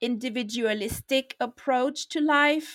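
A woman with a French accent speaks very slowly in a high pitch, her intonation fairly even. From France. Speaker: missionary. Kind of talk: interview.

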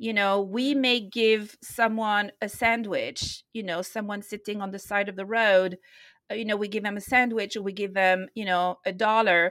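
Speaking at a medium pitch, a woman keeps a monotone, flat intonation on a very clean recording with a silent background. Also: moderate pace. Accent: French. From France. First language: French. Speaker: missionary. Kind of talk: interview.

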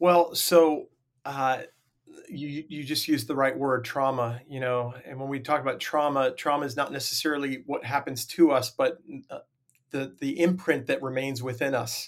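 At a moderate pace and fairly high pitch, a man with a plain, everyday voice speaks with fairly even intonation. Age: 50s. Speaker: seminary professor and counselor. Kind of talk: podcast interview.

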